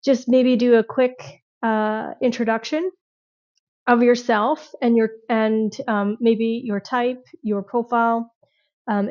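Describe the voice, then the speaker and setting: A woman hosts a group video call, her voice sitting a little high. She talks loosely, full of "um"s and restarted sentences. The call audio sounds dull and lo-fi. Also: a little mellow. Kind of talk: casual group chat.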